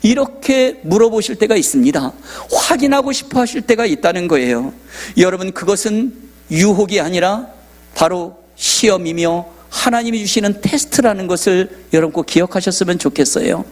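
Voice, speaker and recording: A man's voice: high voice, lively intonation, normal speed. A man in his forties, a pastor telling a personal testimony in a sermon and acting out dialogue. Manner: storytelling, acting out quoted dialogue.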